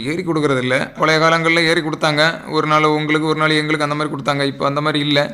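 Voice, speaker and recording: The man's voice sits at a fairly high pitch. His intonation is monotone and flat, with audible room echo. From Kanyakumari district, Tamil Nadu. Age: 40s. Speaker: palm tree climber and palm jaggery producer. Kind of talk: radio interview.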